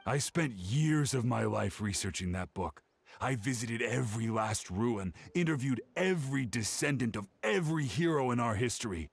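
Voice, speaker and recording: An actor playing a weary older scholar and uncle in a video game, speaking in an earnest, dejected way. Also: male voice, medium pitch, animated, normal speed, creaky, slightly rough.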